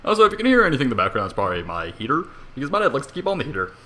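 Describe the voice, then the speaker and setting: Young male amateur story reader, very lively pitch swings, sweary and self-mocking, casual bedroom recording with faint background noise. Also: rapid-fire. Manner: irreverent, sweary, self-deprecating. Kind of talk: casual fan fiction reading with rambling asides. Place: bedroom at home.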